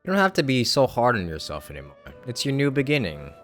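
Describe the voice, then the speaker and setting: Rambling, lively-voiced male streamer. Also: medium pitch, fast, faint music behind. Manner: rambling, self-correcting, blunt and casual. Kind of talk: casual live-stream commentary over a game.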